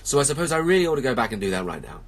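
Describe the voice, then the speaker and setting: A man's voice: mid-range voice, very animated, rapid-fire, voice pushed up. A man voicing a small, timid, anxious storybook piglet with a hesitant, flustered manner. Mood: nervous.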